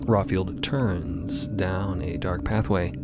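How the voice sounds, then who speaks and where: A man's voice: deep voice, fairly even intonation, slow. A man reading scripted narration for a fiction podcast in dramatic storytelling style. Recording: loud music under the voice. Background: loud music.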